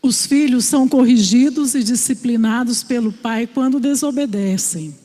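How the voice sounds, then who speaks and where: A woman from Brazil delivers a sermon in a warm storytelling manner, her voice sitting fairly high. The sound carries a long reverb from a church hall. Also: normal speed. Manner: storytelling, animated voices for quoted father. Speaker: preacher.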